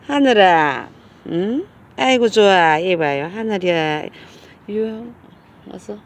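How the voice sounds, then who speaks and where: A woman's voice: mid-range voice, animated, extremely slow. A middle-aged woman, speaking casually and calling the cats over and over in a coaxing, affectionate way as she feeds them outdoors on a hillside. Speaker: cat caretaker and channel host. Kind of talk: casual talk while feeding cats.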